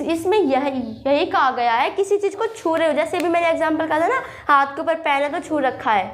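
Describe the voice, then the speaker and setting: A young woman, teaching English grammar in a classroom style with a sore throat, repeating points and reading example sentences slowly. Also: high voice. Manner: repetitive, checks understanding with "thik hai". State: sore throat with a slight cough. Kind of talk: classroom lesson, explaining with examples.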